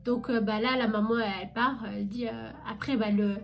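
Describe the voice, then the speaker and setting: A young woman recounting a story in a casual vlog, chatty and animated, talking straight to her viewers. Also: fairly high pitch, normal speed, creaky. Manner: chatty and animated, addresses viewers directly with many fillers. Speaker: vlogger recounting her job as a shop saleswoman.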